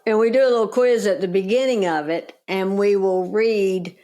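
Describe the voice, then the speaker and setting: A woman comedian co-hosting a podcast, gushing about her friend with many halting uhs. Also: medium pitch, steady tone, dark tone. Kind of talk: casual podcast chat.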